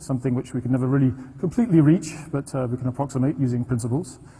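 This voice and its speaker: This man talks at a very fast pace with a medium pitch and ordinary pitch variation. His tone is dark and mellow, and somewhat breathy. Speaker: futurist and philosopher speaker. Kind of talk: conference talk. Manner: hesitant with fillers.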